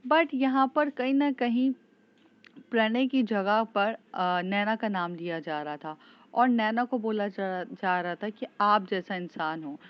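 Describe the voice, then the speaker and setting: A woman's voice: medium pitch, slow pace, clear, resonant tone. Chatty woman casually retelling a story. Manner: chatty, fillers, loose retelling. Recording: muffled lo-fi recording.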